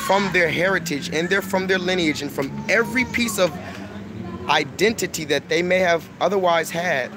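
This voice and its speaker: A young man lecturing emphatically to his online audience on a phone, repeating his points. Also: fairly high pitch. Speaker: online video host. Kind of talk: preachy casual monologue. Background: street noise, crying children.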